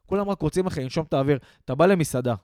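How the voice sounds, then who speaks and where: Recorded dry with clean studio sound, this podcast co-host is a young man whose voice runs on the high side and has a clean tone. He rants animatedly through casual chat, performing people's quotes as he goes.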